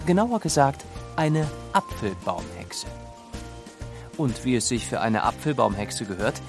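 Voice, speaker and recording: A man narrating a scripted children's story in an expressive, deliberate storytelling manner. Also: mid-range voice. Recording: studio narration over music. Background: music.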